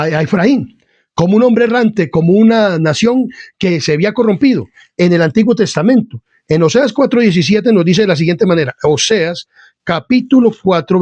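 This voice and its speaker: Blunt high-voiced male lay preacher. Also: a little mellow, no room sound. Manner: blunt, hard-edged delivery; repeats the address "my dear friend and brother". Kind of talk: informal sermon to an online channel.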